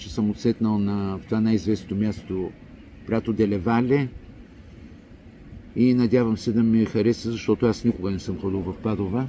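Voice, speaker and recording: A fairly low male voice with a dark, mellow tone, fairly even intonation and long, frequent pauses. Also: moderate pace. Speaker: travel vlogger. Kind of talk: walking travel vlog. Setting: outdoors. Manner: casual, hesitant with fillers.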